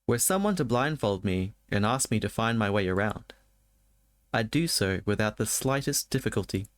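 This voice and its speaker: Low-pitched man hosting a spooky livestream. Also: animated, normal speed, dry recording, studio quality. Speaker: livestreamer, host of a spooky game stream. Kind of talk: casual livestream chat and reading visual novel text aloud.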